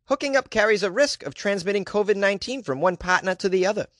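Male comic host, slightly high voice, dry close sound, incredulous and mocking. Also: expressive, quick pace, a bit bright, no echo. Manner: incredulous, mocking, frequent laughter. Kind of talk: comic commentary on news stories.

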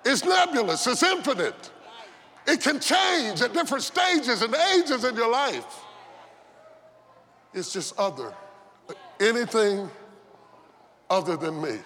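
A man's voice: very high-pitched, sing-song, slow pace, pauses often. A man preaching an emphatic sermon to a live congregation, repeating phrases for effect and calling for a response. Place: large indoor church service. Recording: noisy live hall with loud crowd. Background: congregation crowd noise.

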